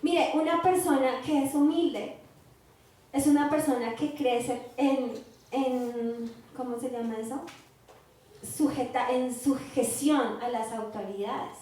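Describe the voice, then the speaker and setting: A woman's voice: high-pitched, fairly even intonation, takes it slowly, warm tone, very echoey, poor audio. A woman pastor with a Colombian Spanish accent preaching a sermon, teaching and often checking in with the congregation. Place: church.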